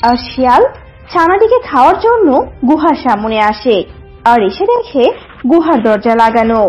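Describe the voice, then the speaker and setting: A woman's voice: sits high, animated, normal speed, darkish tone, highs cut off, faint music behind. A woman narrating a scripted children's animal story.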